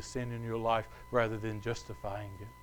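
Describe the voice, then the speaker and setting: There is audible room echo as a man with a medium pitch talks at a moderate pace. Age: 20s. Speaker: pastor. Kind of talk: sermon. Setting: church.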